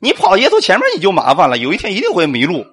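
A man's voice: sits high, wildly swooping pitch, very fast, fairly bright tone, slightly rough. A male pastor preaching a sermon, asking rhetorical questions, acting out quotes and calling for amens.

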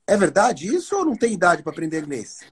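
A man on a live podcast as the guest, talking in a slangy, joking, excitable way. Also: high voice, quick pace, husky. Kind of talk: casual live chat.

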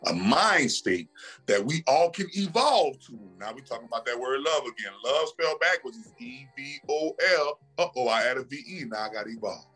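A man's voice: medium pitch, expressive, moderate pace, sharp tone, slightly rough, faint music behind. A man talking as a podcast guest, preachy and emphatic, often repeating himself and asking "right?". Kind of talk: casual motivational talk.

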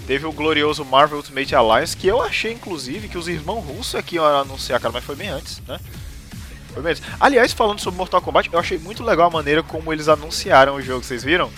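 Casual Brazilian male host, slangy and relaxed, a touch high, light music under. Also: quick pace. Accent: Brazilian Portuguese. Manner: laid-back, slangy, asks the others questions. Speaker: podcast host. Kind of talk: casual chat.

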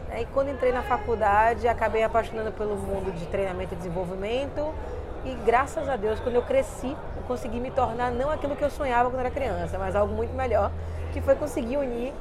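A woman from Salvador, a sales consultant and speaker, answering interview questions in an energetic, talkative way. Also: on the high side, fast. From Salvador, Brazil. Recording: crowd noise behind.

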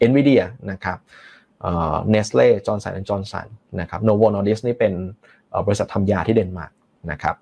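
A man presenting investment funds in a measured, explanatory way, with frequent pauses and polite fillers. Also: fairly low pitch, vocal fry, darkish tone. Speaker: fund presenter.

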